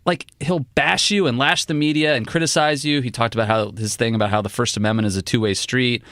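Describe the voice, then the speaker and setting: A male political journalist guest chatting casually on a podcast, rambling with many "like"s and jumpy pitch. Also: fast, no echo, clean studio sound. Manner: rambling, many "like" fillers, animated pitch jumps.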